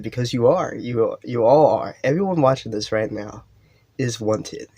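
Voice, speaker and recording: A man with a mid-range voice speaks directly to the camera in a halting, hesitant monologue. He stumbles over fillers and restarts, and his words carry an uneasy, unsettling edge. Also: medium pitch, darkish tone, dry recording. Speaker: online video host.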